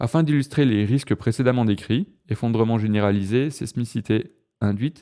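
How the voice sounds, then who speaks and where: On a very clean recording with a silent background, a man speaks with a dark, mellow tone at medium pitch and a moderate pace, his loudness very even and his pitch variation ordinary. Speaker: streamer. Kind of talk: reading aloud with casual comments.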